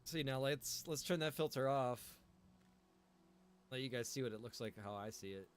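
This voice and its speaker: A man's voice: medium pitch, normal speed, faint music behind. A man live streaming a game, talking casually to viewers and thinking aloud in an informal, chatty way.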